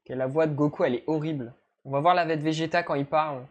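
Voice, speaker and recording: A woman giving casual reaction commentary in an expressive, exclamatory, colloquial way, as a video host. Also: sits low, quick pace, a little hiss or hum.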